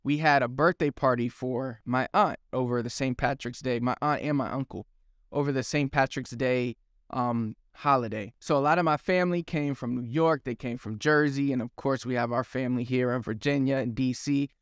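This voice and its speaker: A man's voice: medium pitch, steady tone, normal speed, smooth, no echo, studio quality. A man hosting a language channel, giving a chatty, explanatory vlog introduction.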